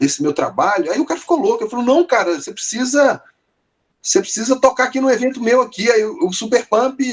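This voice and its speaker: Talking at a very fast pace, a man uses lively intonation at an extremely high pitch. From Minas Gerais, Belo Horizonte. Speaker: children's music teacher and songwriter. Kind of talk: casual chat. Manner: halting, frequent repetitions.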